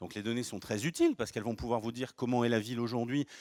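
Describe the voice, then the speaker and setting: The recording is dry and close, with no echo. The speaker is a man. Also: very clean recording, silent background. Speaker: conference speaker, tech company founder. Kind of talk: conference talk. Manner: fast.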